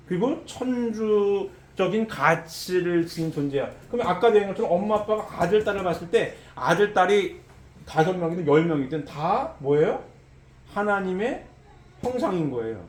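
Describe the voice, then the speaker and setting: A man preaching a sermon, asking rhetorical questions and adding quick "eh?" asides to check that listeners follow. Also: high-pitched, echoey room.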